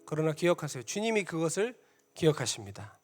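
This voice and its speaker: A man preaching a sermon as a missionary, telling a story with lively shifts and dropping to a soft hush for quoted voices. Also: a little high, fairly quick. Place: church sanctuary. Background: soft instrumental music.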